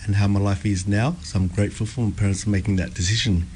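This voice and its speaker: A young Australian man telling his life story as a radio guest, halting, with many ums and repeated words. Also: lowish voice, fairly even intonation, a little mellow, slight background noise. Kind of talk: personal testimony interview. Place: radio studio.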